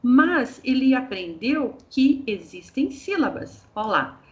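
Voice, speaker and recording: A woman's voice: high voice, big pitch swings, slow pace, dull audio. A woman with a Brazilian accent, a teacher trainer giving an online training talk to a group, explaining patiently and speaking to them directly.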